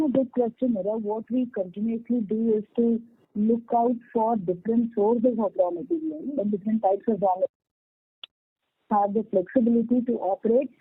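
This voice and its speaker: Female corporate executive, Indian accent, measured earnings-call explanations, dry and band-limited telephone sound. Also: mid-range voice, no echo. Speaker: company executive answering analysts. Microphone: conference call phone line. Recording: tinny phone line, dry.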